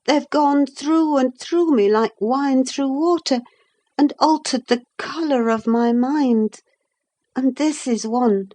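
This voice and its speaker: A woman's voice: high-pitched, takes it slowly, mellow, voice pushed up. A woman reading a passionate, moody young woman in an audiobook, speaking in an impassioned, emphatic way. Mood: intense. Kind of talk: audiobook character voice.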